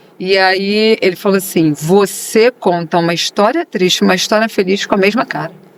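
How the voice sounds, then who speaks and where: The speech comes at a moderate pace in an animated tone with hardly any pauses. Noticeable background noise is present. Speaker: business trainer and speaker. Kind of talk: podcast interview. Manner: animated, very expressive.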